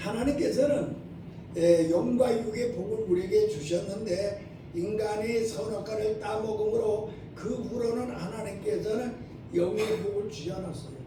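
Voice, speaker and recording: Over noticeable background noise, the speech comes at a fairly slow pace. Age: 80s+. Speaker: pastor. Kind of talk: sermon.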